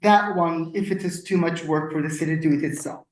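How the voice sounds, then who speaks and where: Her voice sits low and she talks briskly. She's a woman from Turkey, a native Turkish speaker, chatting casually at a community meeting with frequent fillers and laughing asides, heard from a distance in an echoey council meeting room.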